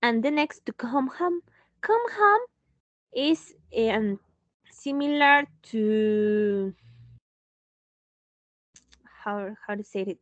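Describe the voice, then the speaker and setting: Woman English teacher, slow and patient delivery, fairly high voice, dull dry call audio. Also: expressive, no room sound. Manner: slow, patient, switching into Spanish to explain. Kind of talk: online English lesson.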